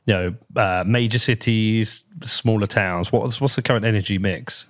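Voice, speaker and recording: A man's voice: lowish voice, steady tone, normal speed. A man interviewing a guest, asking brief questions with some hesitation.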